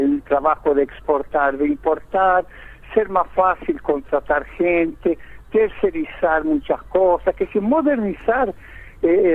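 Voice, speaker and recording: A man from Argentina with a Brazilian-tinged Argentine Spanish accent, an economist explaining his points step by step in a radio interview over the phone. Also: sits high. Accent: Argentine Spanish with a Brazilian Portuguese lilt. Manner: explanatory, lays out points in order, tag "¿viste?". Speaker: economist guest. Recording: tinny phone line.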